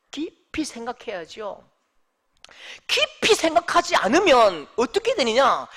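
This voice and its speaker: A middle-aged pastor with a Gyeongsang Korean accent preaches to his congregation. His pitch moves widely up and down as he goes from hushed remarks to loud exclamations. It is lively, spoken pulpit preaching. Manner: animated preaching, swinging between hushed asides and loud exclamations. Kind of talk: expository sermon.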